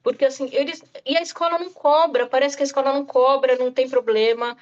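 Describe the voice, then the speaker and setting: Woman teaching teachers over a video call, a bit high voice, keeps saying "né?", muffled call sound. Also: fairly even intonation, quick pace. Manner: talks straight to listeners, frequent "tá?" and "né?". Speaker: literacy specialist presenter. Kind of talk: online lecture to educators.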